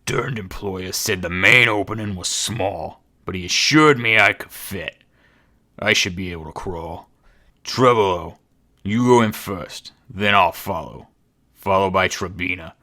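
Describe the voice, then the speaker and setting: A gruff orc warrior with a deep, barking voice, low and loud with a rough edge. Coarse and short-tempered, he growls his commands through an audiobook fantasy tale, as a woman narrator puts him on. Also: measured pace, heavily acted. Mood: gruff, irritated. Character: towering gruff male orc warrior leader.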